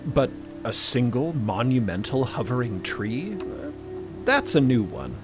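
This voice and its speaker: A man's voice: mid-range voice, animated, measured pace, over music. A man narrator reading scripted audio fiction.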